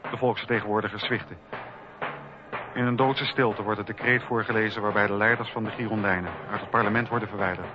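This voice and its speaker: A man's voice: on the low side, fairly even intonation, fast talker. Male radio narrator, slightly dull sound. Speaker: documentary radio play narrator. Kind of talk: scripted historical narration. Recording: dull radio recording with faint music.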